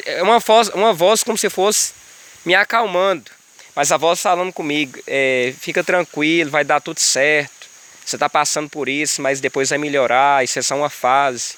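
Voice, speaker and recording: Earnest bright-voiced man outdoors. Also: on the high side. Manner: earnest, repetitive, addresses viewers as "gente". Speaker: vlogger sharing a spiritual experience. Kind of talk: casual spoken testimony. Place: outdoors in a rural area by a river. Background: insects and crickets, running water.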